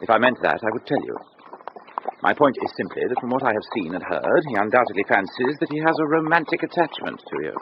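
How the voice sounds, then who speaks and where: An actor playing a snobbish young gentleman suitor, languid and condescending, in a radio drama. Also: medium pitch, sing-song, fast talker. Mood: smooth. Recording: dull broadcast audio with hiss.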